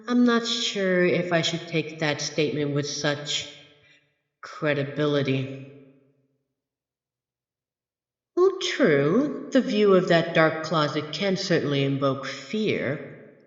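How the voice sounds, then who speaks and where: Smug, menacing bed monster played by a woman, low androgynous register with swooping intonation, haughty and theatrical, for audio roleplay. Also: animated. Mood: smug, musing. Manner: taunting, haughty, drawn-out theatrical delivery. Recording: echoey reverberant hall, slightly dull.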